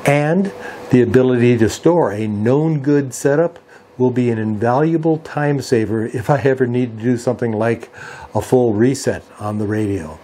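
A man in his sixties giving a measured, step-by-step software tutorial as the host of a hobby channel. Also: medium pitch, slight background noise. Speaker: host of a ham radio channel. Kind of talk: software tutorial and review talk to camera. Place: small indoor home radio workshop.

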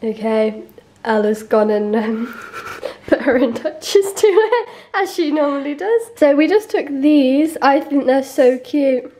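A woman's voice: high voice, expressive, measured pace, mellow, a little hiss or hum. A young woman, chatting and giggling in a casual home vlog. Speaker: vlogger.

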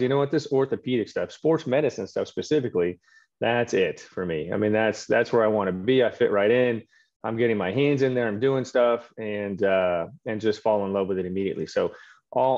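A middle-aged man with a fairly low voice tells long stories in an unhurried, chatty way, with plenty of "uh" and "you know". He speaks over a video call from a home office. The sound comes through dull and lo-fi, with the muffled, narrow quality of a call recording. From Quebec, Canada. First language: French. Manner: storytelling, relaxed, with frequent fillers. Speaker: orthopedic surgeon guest. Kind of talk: casual video call interview.

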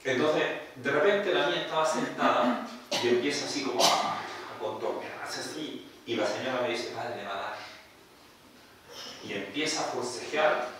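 A man, a priest, telling a story in a sermon at a retreat, animated and acting out what people said. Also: mid-range voice, slight background noise. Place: retreat hall. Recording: echoey room, far from mic.

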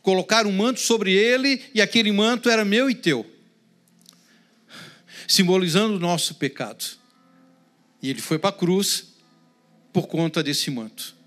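Brazilian pastor, male, high voice, dramatic sermon delivery with hushed drops, faint music underneath. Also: unhurried, pauses often. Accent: Brazilian Portuguese. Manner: dramatic preaching, swings between loud emphasis and hushed prayerful tones.

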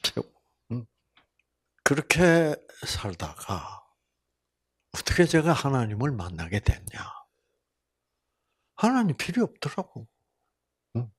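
An older man from Busan, giving a Bible lecture with personal testimony, telling stories folksily and swinging between loud exclamations and soft asides. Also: medium pitch, wildly swooping pitch, slow, long pauses, breathy edge. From Korea (Busan). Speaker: health seminar lecturer.

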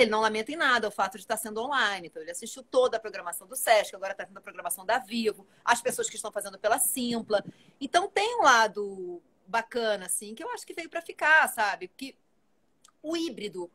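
A woman in her forties, an actress, talking casually and animatedly as a guest on a live video call from home. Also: fairly high pitch. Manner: animated, talkative, gestures while speaking. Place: home room with plants and shelves.

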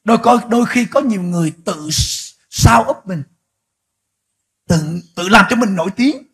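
A man preaching a sermon as pastor, swinging from quiet, slow stretches to loud, shouted peaks. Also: high-pitched, animated, breathy edge. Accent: Vietnamese.

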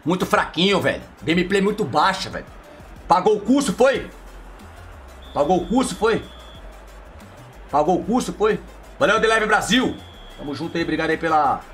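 A man's voice: a little high, fairly bright tone. A Brazilian man streaming a football video game, taunting and swearing at his online opponent. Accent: Brazilian Portuguese. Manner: trash-talking, mocking, profane. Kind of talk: live gameplay commentary.

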